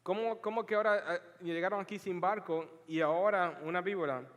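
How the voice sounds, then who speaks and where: A man preaching a sermon in an animated, joking storytelling manner, mixing scripture reading with lively asides. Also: high-pitched, a little fast. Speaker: pastor. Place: church sanctuary. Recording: long reverb of a large hall.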